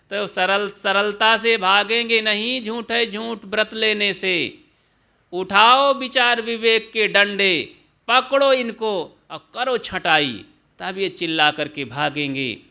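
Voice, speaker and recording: High, bright-voiced man preaching slowly. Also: vocal fry, smooth. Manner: declamatory, lists vices and virtues word by word. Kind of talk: sermon.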